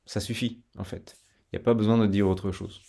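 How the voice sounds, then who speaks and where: A man giving a French pronunciation lesson, saying model sentences with careful, syllable-by-syllable articulation and repeating each phrase slowly. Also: fairly low pitch, fairly even intonation, vocal fry, dark tone, husky.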